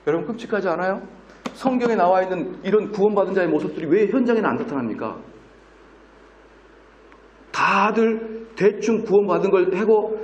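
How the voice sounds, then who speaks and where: A middle-aged man preaches in a lecture-style sermon, his fairly high voice swinging widely as he scolds and acts out the people he quotes. It sounds roomy, as if caught in a conference hall. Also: expressive, brisk, pauses often, highs cut off. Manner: humorous asides with laughter.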